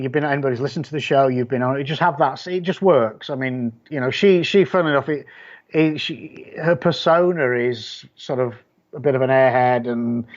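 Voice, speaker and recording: Dull audio carries this interview guest's mid-range voice: a horror writer and publisher from Yorkshire, England, with the local accent. His casual talk is blunt and meandering, and he frequently starts his sentences over.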